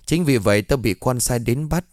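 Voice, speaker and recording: A man's voice: medium pitch, normal speed, a little mellow, dry recording, clean studio sound, natural voice. A man voicing the ghost of a young man, the narrator's friend, who is frightened and resigned to his fate. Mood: grave.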